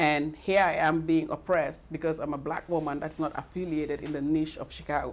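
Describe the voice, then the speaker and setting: A woman with an African accent and a very deep, low pitch, talking at a fairly quick pace with hardly any pauses. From West Africa (Gambia). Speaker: businesswoman, former talent agency owner. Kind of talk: interview, personal story. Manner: animated.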